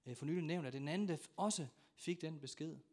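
Male preacher, slightly high voice, dramatic storyteller who acts out the voices in a church sermon. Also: a little mellow. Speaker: pastor.

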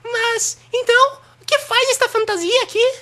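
A woman's voice: very high-pitched, fairly even intonation, normal speed, pushed and bright. A woman voicing a naive little boy who asks earnest questions in a comedic radio play. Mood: curious, doubting. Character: small boy, curious, naive, full of questions.

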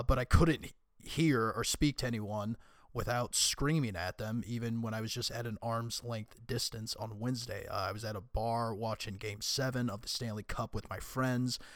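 Raspy, hoarse man hosting a podcast. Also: mid-range voice, steady tone, moderate pace, dry recording, clean studio sound. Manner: opinionated, conversational, emphatic. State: hoarse from screaming and illness. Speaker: podcast host. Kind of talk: casual solo podcast monologue.

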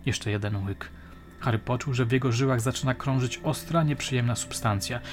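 A man narrating a crime audiobook in a measured, dramatic storytelling manner. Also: mid-range voice, slight background noise. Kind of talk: audiobook reading.

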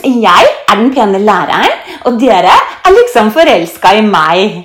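A woman's voice: mid-range voice, very animated, a bit bright, slight background noise, voice pushed up. A woman doing a bossy sing-song little girl. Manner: sing-song, mock-sweet. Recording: echoey room.

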